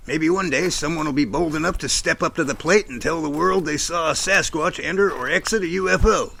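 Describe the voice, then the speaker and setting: A man playing an earnest, self-assured Bigfoot investigator in an audio drama, explaining things in measured, speech-like lines. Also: fairly high pitch, vocal fry, pushed and bright, heavily acted. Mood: earnest, pondering. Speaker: actor in a Sasquatch audio drama. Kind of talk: amateur audio drama dialogue.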